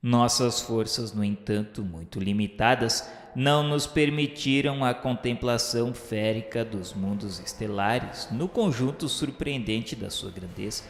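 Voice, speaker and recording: A man's voice: mid-range voice, unhurried, few pauses. A Brazilian man narrating a radio novel in a solemn, formal, declamatory dramatic style. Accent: Brazilian Portuguese. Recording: very echoey hall reverb over music. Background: background music.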